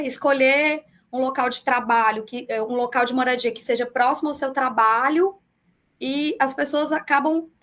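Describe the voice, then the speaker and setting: At a fairly slow pace, a woman uses a raised, projected voice, high in pitch with ordinary pitch variation. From southern Brazil, Rio Grande do Sul (Tapejara). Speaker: public defender. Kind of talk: interview. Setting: video call.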